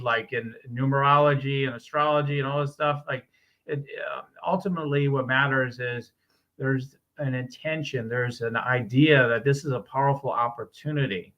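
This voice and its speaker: A man's voice: mid-range voice, fairly bright tone, muffled recording. A middle-aged man, a business coach and guest, talking earnestly and upbeat about spiritual ideas. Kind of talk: casual interview talk.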